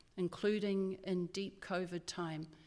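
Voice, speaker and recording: A woman speaks with a New Zealand accent at a fairly low pitch, her intonation flat and monotone. The recording is very clean with a silent background. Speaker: university leader. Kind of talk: ceremonial speech. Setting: hall with audience. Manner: formal.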